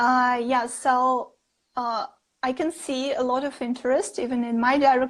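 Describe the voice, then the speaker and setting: On a very clean recording with a silent background, a woman speaks at a high pitch with fairly even intonation. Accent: Russian. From Russia, Saint Petersburg. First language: Russian. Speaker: sketching teacher and host. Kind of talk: live stream interview. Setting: Instagram live stream.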